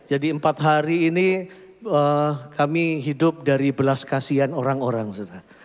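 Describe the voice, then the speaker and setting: In a church hall, a middle-aged male pastor animatedly tells stories during his sermon, often addressing the congregation as "saudara." His voice is on the high side at a moderate pace, and a long hall reverb follows it.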